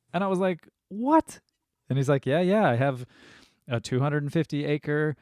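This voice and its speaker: A man hosting a podcast, chatting casually and telling lively stories with many fillers. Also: medium pitch, clean tone, dry recording, studio quality. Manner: animated storyteller, many fillers. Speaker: podcast host. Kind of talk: casual conversation.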